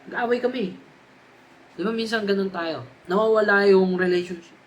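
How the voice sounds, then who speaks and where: A man's voice: sits high, normal speed, poor audio. A young Filipino man preaching a youth sermon in a mix of Tagalog and English, with emphatic repetition. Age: young adult. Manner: Taglish preaching, rising to emphatic repeated cries. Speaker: youth speaker.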